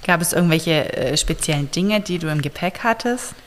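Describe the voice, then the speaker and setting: Low-voiced woman asking gentle questions. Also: normal speed, in a large hall. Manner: gentle, careful questioning with fillers. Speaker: interviewer. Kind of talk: structured interview questions.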